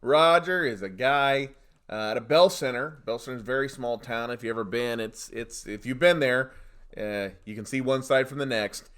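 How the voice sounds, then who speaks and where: A man's voice: mid-range voice, normal speed, a bit bright, clear, resonant tone. A man co-hosting a comedy advice podcast, ranting emphatically in short, mock-indignant declarations. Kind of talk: comic advice banter, storytelling rants.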